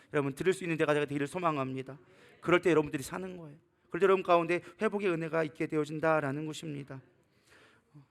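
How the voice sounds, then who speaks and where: A man preaching a sermon as co-pastor, his voice hoarse and worn, exhorting the congregation and shouting out when he quotes scolding words. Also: fairly high pitch.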